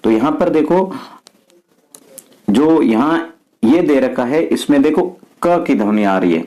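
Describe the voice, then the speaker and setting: A man from Rajasthan, India, walks students through an exam paper step by step, posing questions and answering them himself. His mid-range voice is animated but slow, with a dark tone, and the recording is rough.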